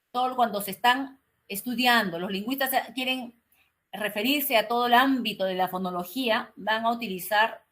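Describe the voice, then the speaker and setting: Woman teacher explaining slowly and clearly. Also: mid-range voice, fairly bright tone. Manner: slow, carefully articulated explaining; frequent "¿no?" and "eh" fillers. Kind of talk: online class lecture. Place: home, online class.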